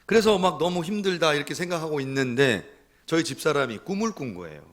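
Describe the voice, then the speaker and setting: A man's voice: fairly high pitch, animated, fast. A middle-aged man preaching a Sunday sermon as pastor, telling stories and acting out the voices he quotes. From South Korea.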